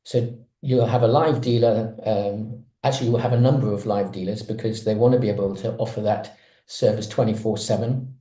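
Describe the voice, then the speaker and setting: Mellow-voiced man on an echoey call. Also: lowish voice, fairly even intonation, moderate pace. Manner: conversational, explains with examples. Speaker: panelist. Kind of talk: webinar panel discussion.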